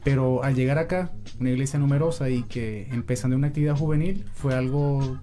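A man's voice: medium pitch, steady tone, a little fast, music in the background. A young man with a Venezuelan accent, earnestly talking about his faith in a casual church talk show. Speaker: youth co-host.

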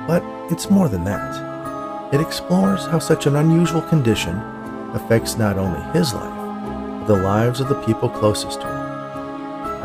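A man's voice: lowish voice, vocal fry. A man hosting his fiction podcast, reading scripted introductions and stories in an audiobook style. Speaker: podcast host, writer and narrator.

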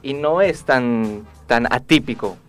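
A young man guesting on a radio chat show, speaking at an ordinary pitch with frequent hesitant restarts. Soft music plays faintly under his voice. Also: slow pace. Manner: hesitant, restarts phrases, polite. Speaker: sports journalist guest.

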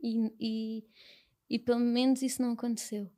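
A young woman with a European Portuguese accent, speaking as an interview guest in a soft, halting, reflective way. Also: a little high, level tone. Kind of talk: personal conversation.

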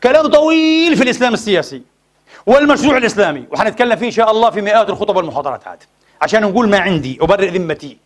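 This very high-pitched man races through his Friday mosque sermon with rapid-fire delivery and big swings in pitch. Impassioned rhetorical questions are aimed squarely at the congregation.

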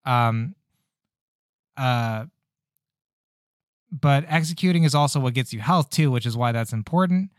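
A man co-hosting a podcast, chatting casually about game demos in a relaxed, rambling way with plenty of fillers. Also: medium pitch, a little slow, long pauses, no room sound, clean studio sound. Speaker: podcast co-host.

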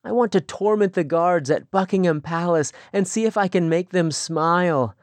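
A man's voice: high-pitched, big pitch swings, a little slow, darkish tone, dry recording, voice pushed up. A man voicing an eager young Amish woman. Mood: excited. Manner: earnest, pleading, eager. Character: spirited young Amish woman, restless and idealistic.

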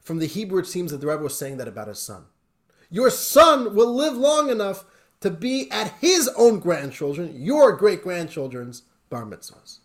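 A man teaching a Torah class, telling a story in a lively, conversational way with emotional emphasis. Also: high voice, normal speed.

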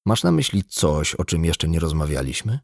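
A man's voice: extremely low pitch, very animated, moderate pace, gravelly, dry recording, clean studio sound, heavily acted. A man voicing a wounded, amnesiac man in an audiobook, terse and guarded. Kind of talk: audiobook dialogue.

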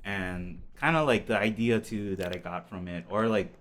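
Low-voiced hesitant man. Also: moderate pace, fairly bright tone. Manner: hesitant, many restarts and fillers. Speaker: podcast co-host. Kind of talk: casual chat.

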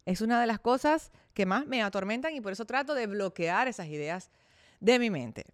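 A woman's voice: mid-range voice, lively intonation, moderate pace, no echo. Chatty woman in her thirties, dry close sound. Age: 30s. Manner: candid and chatty, acting out her own quoted thoughts. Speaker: podcast host. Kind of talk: casual personal monologue.

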